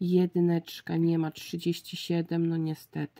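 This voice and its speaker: In a quiet background, a woman talks at a very slow pace, her fairly low voice dark and mellow in tone. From Poland. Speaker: YouTuber scratching lottery tickets; lottery ticket vlogger. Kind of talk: casual vlog chat. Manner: chatty, lots of fillers. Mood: calm, mildly disappointed. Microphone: phone near.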